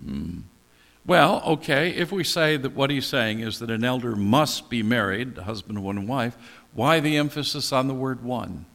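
An older male pastor with a gravelly edge to his voice teaches from scripture, asking himself questions and answering them in a relaxed, conversational manner. His voice carries a long reverb, as if recorded in a large hall. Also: mid-range voice, moderate pace. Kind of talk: expository Bible teaching.

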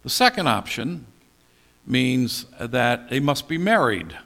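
A man's voice: mid-range voice, very animated, slow pace, creaky, fairly bright tone. An older man preaching as a pastor, teaching through a Bible passage in a conversational way and posing questions that he then answers himself. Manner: conversational, asks and answers his own questions. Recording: long hall reverb.

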